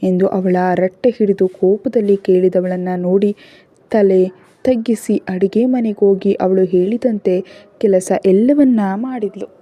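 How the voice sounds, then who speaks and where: A woman narrating a serialized family drama in a steady, dramatic storytelling manner. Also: mid-range voice, unhurried, lo-fi sound.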